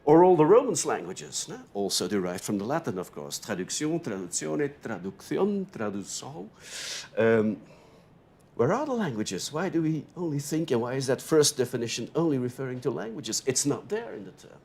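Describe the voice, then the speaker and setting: A man whose first language is Dutch, speaking English with a Dutch accent while giving an opening lecture to graduate students. He thinks aloud as he goes, keeps checking in with a quick "no?", and swings between louder and softer phrases. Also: mid-range voice, very animated, vocal fry, breathy edge. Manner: rises and drops sharply in loudness between phrases. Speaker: university lecturer.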